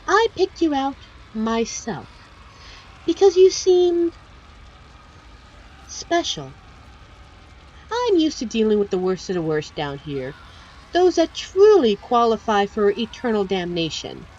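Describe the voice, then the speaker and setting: A woman's voice: a little high, very animated, slow pace, pauses often, darkish tone, highs cut off, exaggerated voice. A woman voicing a seductive, teasing female demon in a scripted ASMR roleplay, speaking with a coy, condescending, theatrical manner. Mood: possessive, coy.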